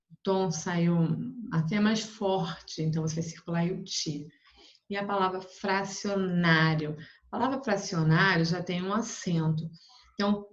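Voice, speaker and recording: A woman's voice: fairly low pitch, highs cut off. A woman teacher with a Brazilian Portuguese accent, patiently walking young pupils through homework step by step. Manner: patient, explains step by step with frequent "né" and "ó".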